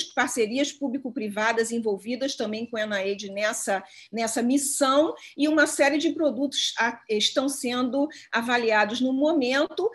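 Hesitant woman presenting research online. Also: sits high. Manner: hesitant, many filler pauses. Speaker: lab head giving a symposium talk.

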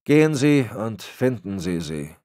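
A man voicing a frail, cold old crime boss who gives orders in a raspy voice. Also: on the low side, sing-song, measured pace, dark tone, voice pushed up. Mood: icy. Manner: cold, commanding. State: raspy, cracking voice.

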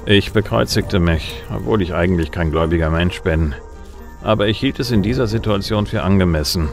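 An actor playing a tough, sardonic bounty hunter, narrating and speaking in a dry, matter-of-fact way in a science fiction radio drama. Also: male voice, low-pitched, fairly quick, soft background music. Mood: grim. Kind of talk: first-person hardboiled radio drama narration and dialogue.

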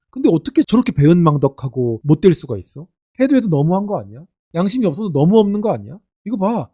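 Middle-aged guy ranting fast, high voice jumping all over, sarcastic and fed up. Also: darkish tone, breathy edge. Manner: sarcastic, indignant, mocking asides. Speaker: commentary channel host. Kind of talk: casual ranting commentary.

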